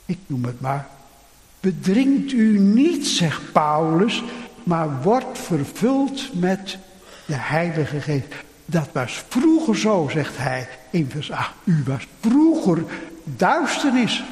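A man preaches slowly and deliberately, leaning on rhetorical questions to his listeners. His voice sits somewhat high for a man. Every word rings out through a long cathedral echo, as in a large, roomy church. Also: sing-song, a little mellow. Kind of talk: sermon.

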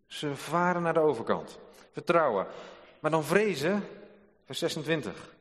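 A man preaching from the pulpit in a slightly raised voice, his deliberate words repeating key phrases. His voice carries a long reverb through the church hall, picked up by a pulpit microphone. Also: on the high side, very animated, fairly bright tone. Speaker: pastor. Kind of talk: sermon. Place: church sanctuary.

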